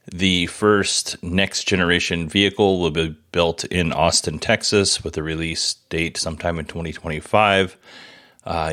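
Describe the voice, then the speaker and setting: A man's voice: low voice, a bit bright. A man hosting a podcast, giving news recap commentary. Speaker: podcast host.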